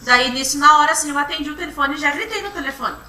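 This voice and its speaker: A young woman giving courtroom testimony, retelling events in a halting, repetitive way. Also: sits high, bright, forceful tone. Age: young adult. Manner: halting, repetitive retelling, often restarting with "then". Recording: roomy courtroom from far off, faint hum.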